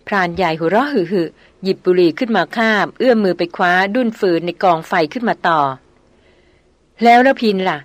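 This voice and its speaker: A woman's voice: lowish voice, fairly quick, no echo. Woman narrating a novel, dry close sound.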